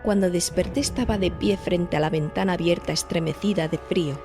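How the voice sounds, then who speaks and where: An actress playing a frightened young artist's model haunted by dreams, earnest and insistent, in a dramatized audiobook. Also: female voice, lowish voice, fairly quick, over music, lightly acted. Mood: haunted, recounting. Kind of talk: dramatized audiobook acting in Spanish.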